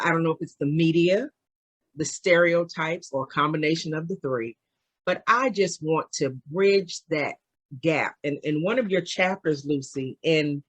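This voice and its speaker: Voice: mid-range voice, a bit bright, dry recording. A podcast host opening an interview in an earnest, affirming way. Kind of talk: interview conversation.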